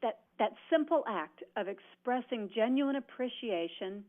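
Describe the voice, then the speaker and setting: A woman's voice: on the high side, expressive, unhurried. A woman giving an instructional sales presentation in a motivational, emphatic way, delivering her points phrase by phrase. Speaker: sales trainer presenting cold calling tips. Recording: dull, band-limited audio.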